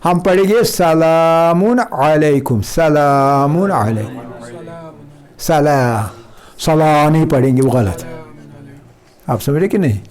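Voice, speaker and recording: A middle-aged man with an Urdu accent teaching Quran recitation, repeating each word slowly and stretching its sounds for his students. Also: a little high, a little mellow. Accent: South Asian Urdu. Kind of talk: slow recitation lesson with drilled repetitions.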